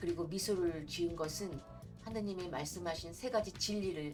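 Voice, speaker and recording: Over music in the background, the speaker talks at a moderate pace with a warm tone and ordinary pitch variation. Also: woman. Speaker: storyteller. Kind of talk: storytelling for seniors. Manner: warm, friendly.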